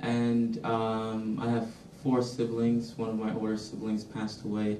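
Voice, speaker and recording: A man's fairly low, flat monotone at a very slow pace, with light background noise and audible room echo. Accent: American. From US Midwest. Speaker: moderator, nonprofit outreach coordinator; moderator. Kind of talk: panel moderation. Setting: stage with audience. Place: meeting room.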